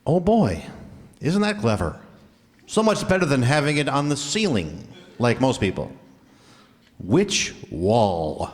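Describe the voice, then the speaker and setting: A wisecracking uncle in a vintage radio comedy. He drops dry remarks at a slow drawl with lively rises and falls. The old broadcast carries a long hall reverb. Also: mid-range voice. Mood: wry. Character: wisecracking uncle fond of drink. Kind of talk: 1940s radio comedy acting.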